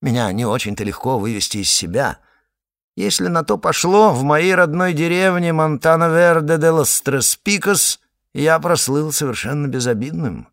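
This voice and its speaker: A man voicing a small, fat, proud male detective from the south who speaks with a put-on foreign accent and a flowery, quick-tempered manner. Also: a little high, lively intonation, fairly bright tone, no echo, clean studio sound, pitched above the performer's own voice.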